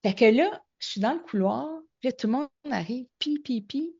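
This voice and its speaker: Animated Québécois woman telling stories. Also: on the high side, moderate pace, vocal fry, husky. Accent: Québécois French. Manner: animated storyteller, acts out quoted dialogue. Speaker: guest. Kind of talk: casual storytelling interview. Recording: slightly muffled lo-fi audio.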